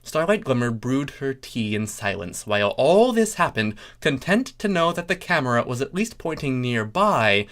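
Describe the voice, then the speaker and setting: A performer reading a comic fan fiction story aloud as an expressive narrator. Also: medium pitch, moderate pace, few pauses. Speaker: story reader.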